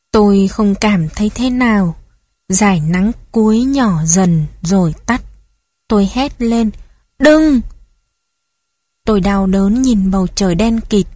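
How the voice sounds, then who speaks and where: A woman reading a first-person memoir story aloud in a gentle, reflective storytelling manner. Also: medium pitch, no echo. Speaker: narrator. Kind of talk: scripted narration of a memoir story.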